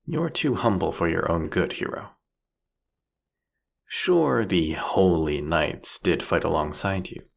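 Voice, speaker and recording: A man playing a captured vampire king in an audio roleplay, sardonic and silkily menacing, with a husky, gravelly voice and theatrical, taunting phrasing. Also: low-pitched, lively intonation, exaggerated voice. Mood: grudging admiration. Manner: theatrical, mocking, drawn-out, teasing phrasing. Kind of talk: scripted audio roleplay monologue addressed to the listener.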